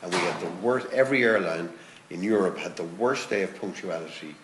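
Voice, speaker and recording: Low-voiced man in an echoey, noisy room. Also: fairly quick, a bit bright. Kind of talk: spoken testimony at a committee hearing. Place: indoor committee room.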